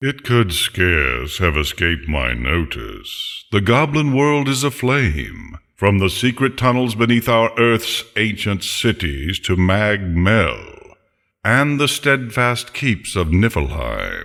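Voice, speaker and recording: A man puts on a booming character voice and delivers it at a fairly slow pace. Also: medium pitch for a man. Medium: audio drama. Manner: even, controlled.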